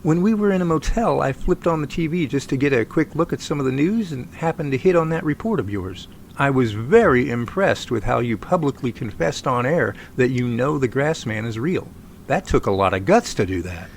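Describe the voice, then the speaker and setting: A man acting as an earnest, folksy research team leader in an audio drama. He speaks haltingly at a medium pitch, with noticeable background noise on the homemade recording. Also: animated, close to an everyday voice. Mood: impressed. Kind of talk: amateur audio drama dialogue.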